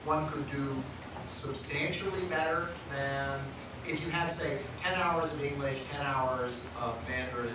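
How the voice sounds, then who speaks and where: A man in the audience asking a long, carefully built question at a talk. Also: mid-range voice. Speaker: audience member. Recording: echoey, distant, noisy room mic.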